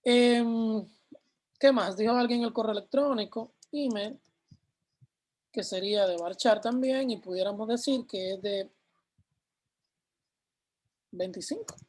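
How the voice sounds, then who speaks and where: A man's voice: very high-pitched, a little slow, pauses often, darkish tone. A man teaching a programming class, explaining step by step and answering his own questions as he goes. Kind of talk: live class explaining code on screen.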